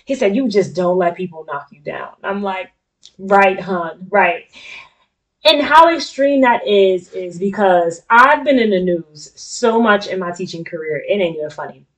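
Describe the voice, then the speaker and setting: A woman's voice: medium pitch, animated, a little slow, rough recording. A middle-aged woman with an African American accent hosts her own talk. She speaks candidly and informally to her audience, with slangy, conversational phrasing and a mid-range voice. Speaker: talk show host. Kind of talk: casual personal monologue to an audience.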